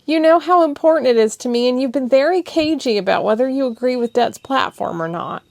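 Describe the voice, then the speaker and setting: A woman voicing a passionate young woman who is crying and sniffling, speaking in high, pleading, breathless outbursts. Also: lively intonation, slow pace, darkish tone, no echo, full character voice. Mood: upset pleading. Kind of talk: audiobook character voice.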